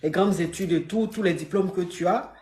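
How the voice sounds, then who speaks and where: A woman's voice: on the low side, normal speed, a little mellow. Firm woman advice coach, roomy sound. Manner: firm, repeats herself, calls caller "my dear". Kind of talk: phone-in advice.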